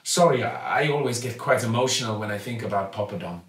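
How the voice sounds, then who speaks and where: A man's voice: on the low side, expressive, fast talker, close to an everyday voice. A man voicing a kindly, sentimental male newsagent in a storybook, avuncular and emotional. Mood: tearful. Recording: roomy, slightly distant mic.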